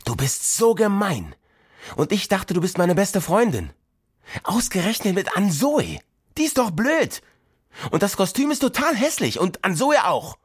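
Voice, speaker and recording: A man voicing a hot-tempered little girl in a children's radio play, shrill and indignant. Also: sing-song, unhurried, slightly rough, exaggerated voice. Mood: furious.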